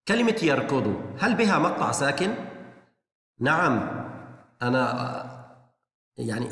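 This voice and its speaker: A male teacher gives a lesson to small children in a middle-pitched voice, stretching words into slow syllables and praising them often. The voice rings in a hard, echoey room with a long reverb tail. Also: fairly bright tone. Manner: slow, drawn-out syllable-by-syllable pronunciation; encouraging, praising imagined pupils. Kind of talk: recorded lesson for young children.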